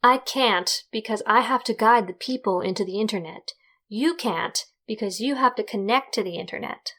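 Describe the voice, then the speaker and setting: A woman's voice: medium pitch, normal speed, a bit bright. A woman playing an exasperated, practical young character in an audio drama, speaking bluntly. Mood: urgent, practical.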